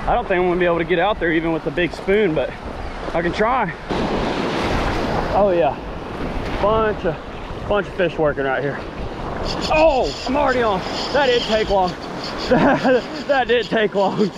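A man hosting a fishing vlog, chatting casually and excitedly while casting and fighting fish from the surf. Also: sits high, normal speed, pauses often. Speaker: fishing channel host. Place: sandy ocean beach outdoors at sunrise. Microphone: chest-mounted action camera. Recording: outdoor action cam with surf noise. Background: surf and waves.

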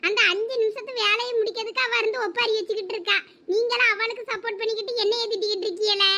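A shrill nagging village mother. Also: fairly even intonation. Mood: scolding. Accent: Thoothukudi Tamil. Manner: scolding, quick sharp nagging. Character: nagging village mother scolding her lazy daughter. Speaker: mother in a family comedy skit. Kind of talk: village comedy skit acting.

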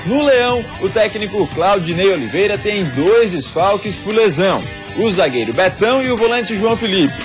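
Male sports reporter, high voice, voice-over with clear music underneath. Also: animated, moderate pace. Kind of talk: scripted news narration.

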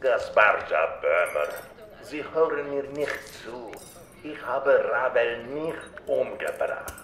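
A man's voice: lively intonation, a bit bright, echoey room. An actor playing a menacing, taunting museum watchman with a Russian accent and a mocking, playful manner in an audio drama. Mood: taunting, cryptic. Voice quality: gravelly, low. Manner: slow, mocking, teasing.

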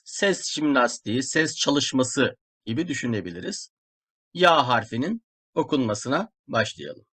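Guy teaching a language class, super slow and careful, repeats every word. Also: medium pitch, very animated, fairly bright tone. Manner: repeats words slowly and clearly for learners. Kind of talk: slow, deliberate language lesson.

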